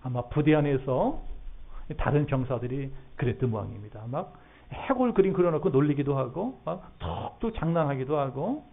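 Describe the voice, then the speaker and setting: A man's voice: medium pitch, big pitch swings, moderate pace, breathy edge. A middle-aged man preaching a sermon as a pastor in a church, talking in a conversational way and putting questions to the congregation. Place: church sanctuary. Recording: phone-like narrow band.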